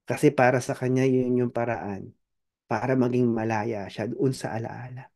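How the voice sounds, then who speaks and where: A man's voice: steady tone, darkish tone. A man with a Filipino accent preaching a sermon and counseling from the pulpit, code-switching and acting out the voices of the people in his stories. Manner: switches between Tagalog and English, acts out quoted voices; dramatic swings in pitch and volume, slows down on key points.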